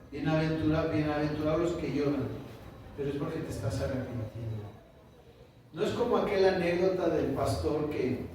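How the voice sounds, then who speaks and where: A man's voice: on the high side, dark tone, a little hiss or hum. A man, a pastor preaching a sermon in a conversational way and often asking the congregation questions. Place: church hall. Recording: echoey church sound from a distance.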